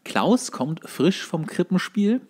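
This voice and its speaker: A man's voice: high-pitched, big pitch swings, takes it slowly, darkish tone, husky. Wry man spinning casual anecdotes. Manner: wry, storytelling with dramatic build-up. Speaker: podcast co-host.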